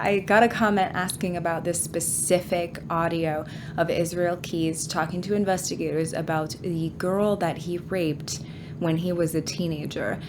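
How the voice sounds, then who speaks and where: A woman's voice: lowish voice, noisy background. A woman with a stuffy voice from a cold, chatting frankly to viewers about a true crime case. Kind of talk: casual talk to camera.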